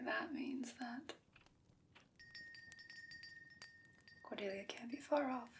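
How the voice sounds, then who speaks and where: A woman voicing a wise, gently stern old sorceress in a soft, breathy ASMR fantasy roleplay, speaking in a measured, deliberate way. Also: mid-range voice, a little hiss or hum, lightly acted. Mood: wry, sympathetic.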